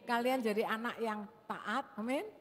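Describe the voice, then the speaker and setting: A woman's voice: a little high, moderate pace. A woman pastor preaching in a church service, speaking with amens and asking the congregation questions. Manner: warm preaching with call-and-response amens. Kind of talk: sermon. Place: large church hall. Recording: reverberant church hall with music.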